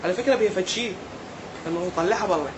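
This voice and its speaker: A man from Iraq, speaking with an Iraqi Arabic accent, delivers a playful, joking vlog monologue to his viewers, acting mock-puzzled. His voice is high-pitched and very fast, with background noise.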